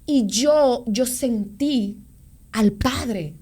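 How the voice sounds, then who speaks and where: A woman, speaking in a fairly high voice. She tells her story of faith as a guest in a casual chat, slangy and animated, often repeating words as she goes. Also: drawn-out words, husky. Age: 40s. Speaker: podcast guest.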